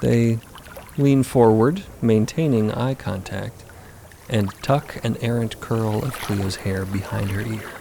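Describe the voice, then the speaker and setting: A man's voice: fairly low pitch, slow pace, vocal fry, noisy background. A man narrating a scripted fiction podcast as one of its storytellers.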